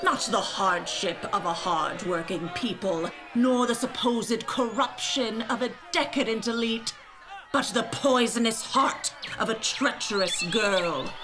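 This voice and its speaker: Woman as a pompous, slow-spoken treacherous village elder. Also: a little high, over music, natural voice. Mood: grandiose, accusing. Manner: pompous, theatrical oratory. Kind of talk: audio drama acting.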